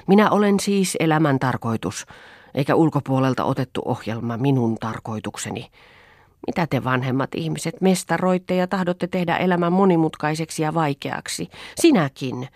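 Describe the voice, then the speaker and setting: A woman's voice: deep voice, a little mellow, no room sound, clean studio sound. A woman reading the part of a proud, headstrong young woman who speaks in a challenging, mocking way. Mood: scornful.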